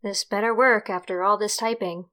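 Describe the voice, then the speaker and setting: A woman's voice: medium pitch, steady tone, moderate pace, a bit bright, close to an everyday voice. A woman playing an earnest, inventive young tinkerer in an audio drama, explaining things conversationally. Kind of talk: amateur audio drama acting.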